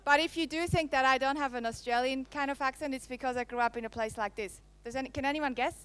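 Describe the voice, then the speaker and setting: A woman in her thirties, raised in Switzerland, speaks with a Swiss accent tinged with French. Her voice is smooth and clear and sits a little high. She gives a conference keynote on a handheld mic in a playful way and teases the audience. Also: steady tone, fast, a bit bright. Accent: Swiss, with some French. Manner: playful, teasing the audience, laughs often. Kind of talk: live keynote presentation. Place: conference hall. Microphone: handheld microphone.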